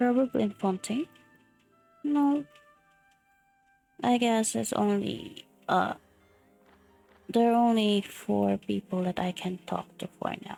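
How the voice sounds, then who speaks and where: A quiet woman at a very slow pace, with long, frequent pauses and music in the background. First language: Tagalog. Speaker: gaming streamer. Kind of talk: game commentary. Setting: home, sisters asleep nearby.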